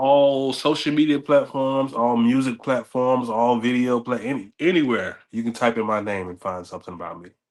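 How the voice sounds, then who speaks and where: In an American accent, a man with a medium-pitched voice talks at a moderate pace with ordinary pitch variation, big swings in loudness and hardly any pauses against a quiet background. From US South, Augusta, Georgia. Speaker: southern soul singer. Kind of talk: interview. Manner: casual.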